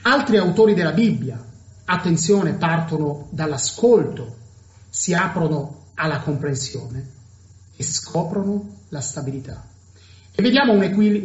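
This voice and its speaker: Emphatic preacher in an echoing room. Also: male voice, a little high, a little mellow. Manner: slow, emphatic delivery with dramatic pauses. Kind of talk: sermon. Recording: echoey, dull lo-fi room sound.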